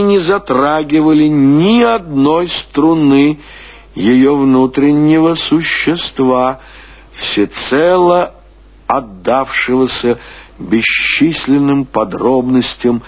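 Slightly husky guy narrating a classic novel on radio, medium pitch, measured and expressive, dull recording. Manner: measured, expressive storytelling with deliberate phrasing. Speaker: literary narrator.

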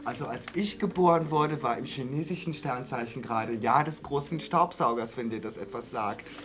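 A man's voice: medium pitch, moderate pace, background noise, close to an everyday voice. A man acting in a comic radio play as a vain, fussy, theatrical gay homemaker who exclaims and gossips in a camp manner. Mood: coquettish.

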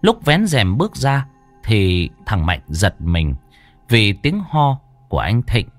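A man's voice: fairly low pitch, big pitch swings, takes it slowly. A man narrating a ghost story in a dramatic storytelling manner. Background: faint background music.

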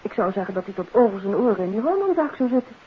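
An actress playing a detective's curious, weary wife in a 1950s radio drama. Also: female voice, medium pitch, sing-song, racing, close to an everyday voice. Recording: muffled 1950s radio recording, faint noise.

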